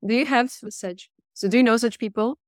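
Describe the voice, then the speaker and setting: A woman's voice: on the high side, dry recording, clean studio sound. A woman with a Russian accent, a language teacher chatting as a podcast guest, often dropping in "yeah". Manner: chatty, fills pauses with frequent "yeah". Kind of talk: conversational podcast interview.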